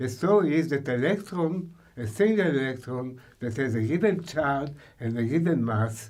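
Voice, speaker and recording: The delivery is fairly slow, with lively intonation. Audible room echo surrounds the voice. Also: man. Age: 80s+. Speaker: physicist. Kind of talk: scientific dialogue.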